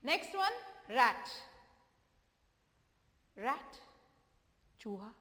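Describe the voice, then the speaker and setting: A woman's voice: a little high, big pitch swings, very slow, pushed and bright, long reverb tail. A woman teaching children, patiently repeating and spelling words out, checking in with them often. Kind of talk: children's vocabulary lesson.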